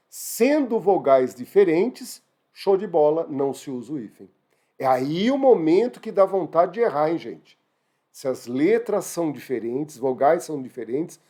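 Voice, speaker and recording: A man with a Brazilian Portuguese accent teaching an online exam-prep grammar lesson in a lively, exclamatory way. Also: on the high side. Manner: lively, exclamatory, addresses students as "gente".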